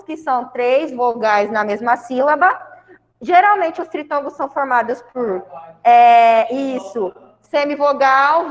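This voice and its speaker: A Brazilian school Portuguese teacher with a high-pitched voice gives a grammar lesson in a large hall. She speaks with a Brazilian Portuguese accent, explains each step in turn, and keeps checking in with her class.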